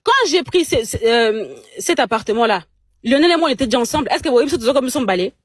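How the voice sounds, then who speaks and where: Indignant Congolese woman, high voice. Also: sing-song, fast talker, no echo, studio quality. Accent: Congolese French. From Democratic Republic of the Congo. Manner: indignant, emphatic, many repeated words. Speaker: guest on a live chat. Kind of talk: heated casual chat, mixing in Lingala.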